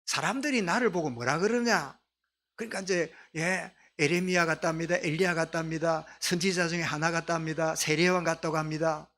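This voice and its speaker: High-voiced Gyeongsang pastor preaching. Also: male voice, steady tone, fairly quick. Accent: Gyeongsang Korean. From Gyeongsang, Korea. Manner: soft-spoken for his dialect, leads congregation in responses. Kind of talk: sermon. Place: church sanctuary.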